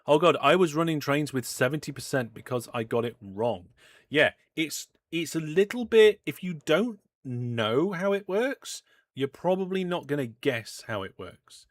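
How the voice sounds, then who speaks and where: A man's voice: fairly high pitch, animated, a little slow, no echo. A man hosting a live game stream, chatting through his play, reading out viewer messages and reacting with mock alarm. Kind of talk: live gameplay commentary. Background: background music.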